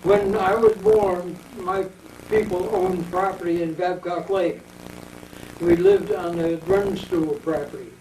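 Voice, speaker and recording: An American man in his eighties reminisces in a rambling, unhurried way, his voice high for a man and rough with fry. The sound is mellow and dark. He is recorded from a distance in an echoey room. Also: huge pitch swings, a little hiss or hum. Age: 80s. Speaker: veteran interviewee. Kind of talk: oral history interview.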